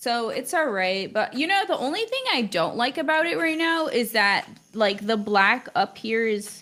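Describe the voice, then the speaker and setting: Music plays behind a woman speaking at a moderate pace. Her fairly high voice swings very widely in pitch. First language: Arabic. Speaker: art teacher / illustrator. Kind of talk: live stream drawing tutorial chat. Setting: live stream with music in background. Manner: casual, filler-heavy.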